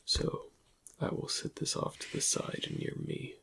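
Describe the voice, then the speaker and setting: A man playing a shady alien dealer in black market antiquities, in a hushed, whispery ASMR roleplay with a gravelly voice and a musing manner. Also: slight background noise. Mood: curious, appraising. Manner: hushed, unhurried, musing over goods. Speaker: ASMR performer.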